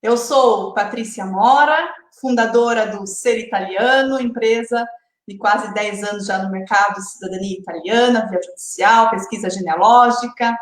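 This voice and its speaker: A woman's voice: medium pitch, moderate pace, echoey room. A woman hosting a live online interview series, chatty and often adding tag questions. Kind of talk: casual live-stream hosting.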